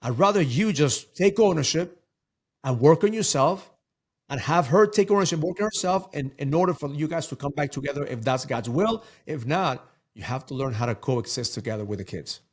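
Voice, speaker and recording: A man's voice: fairly high pitch, expressive, normal speed, slightly rough. A man talking as a guest coach in a casual interview, emphatic and preachy, often repeating words for stress.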